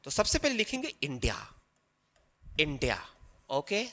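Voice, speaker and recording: A male teacher gives a grammar lesson in a high, bright voice that swings widely in pitch. He explains each step slowly and keeps checking that his students are following. The sound carries a long, ringing reverb. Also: wildly swooping pitch. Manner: explanatory, often checks in with the listener.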